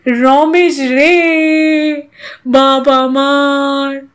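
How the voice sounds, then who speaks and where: A woman's voice: high-pitched, level tone, drawn-out words, voice pushed up. A woman voicing a humble, meek village father in an audio story, plain-spoken and hesitant. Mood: tearful.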